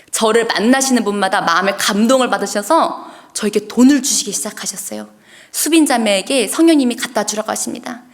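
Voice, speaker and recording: Earnest young woman giving church testimony. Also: fairly high pitch. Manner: earnest, heartfelt storytelling. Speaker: youth revival speaker giving testimony.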